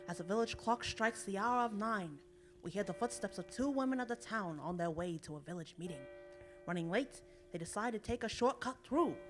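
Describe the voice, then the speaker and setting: A narrator delivers scripted old-time radio mystery narration. Guitar music plays clearly behind the voice. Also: medium pitch.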